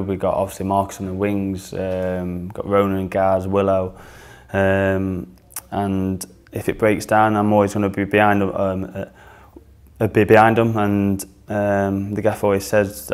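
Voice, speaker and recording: A young footballer with a northern English accent speaks in a low, deep voice. His delivery stays flat and level, hardly rising or falling. He stumbles through fillers and restarts as he answers questions, seated in a small studio. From northern England. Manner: hesitant, many fillers and restarts. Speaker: football player. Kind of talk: casual interview answers.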